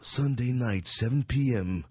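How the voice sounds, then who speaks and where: A man's voice: medium pitch, unhurried, a little mellow, husky, no room sound, clean studio sound. A man in his forties hosting a chat show, rambling and joking with lots of fillers. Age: 40s. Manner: loose, rambling, joking, with frequent fillers and laughs. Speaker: show host. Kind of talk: casual chat show banter.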